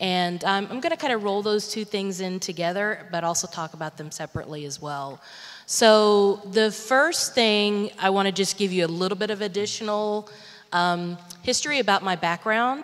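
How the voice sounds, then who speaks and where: Her pitch moves in an ordinary way as she talks. The woman keeps a moderate pace. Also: medium pitch for a woman. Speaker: therapist. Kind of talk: presentation to parents. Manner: loud.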